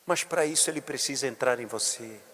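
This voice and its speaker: A man preaching a sermon as a bishop, swinging from hushed words to shouted pleading. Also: medium pitch, fairly quick. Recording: long reverb of a large hall.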